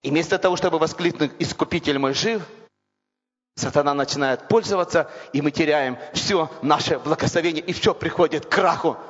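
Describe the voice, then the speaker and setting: High-voiced impassioned male preacher. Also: fairly quick, husky. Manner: impassioned, repetitive build-ups rising to shouts. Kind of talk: sermon. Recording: dull lo-fi recording in a reverberant hall.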